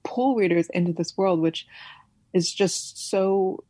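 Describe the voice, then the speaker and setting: A woman's voice: fairly low pitch, takes it slowly, no room sound. A woman from California, an author, answering interview questions thoughtfully, with frequent fillers. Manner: thoughtful, with fillers and soft laughs. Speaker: author guest.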